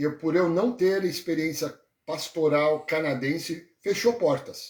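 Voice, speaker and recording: Very slowly, a man speaks in a fairly high voice with ordinary pitch variation. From Brazil. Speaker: pastor. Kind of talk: interview. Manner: halting.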